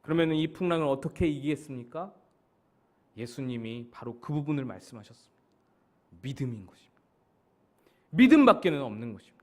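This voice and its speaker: A man's voice: medium pitch, very animated, a little fast, pauses often, darkish tone. A male pastor teaching a Bible study sermon in a church, explaining words and stressing key points emphatically.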